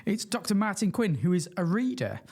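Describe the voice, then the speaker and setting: A man's voice: high-pitched, very animated, brisk, darkish tone. A man with a northern English accent hosting a podcast, chatty and jokey. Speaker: podcast host. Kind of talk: podcast conversation.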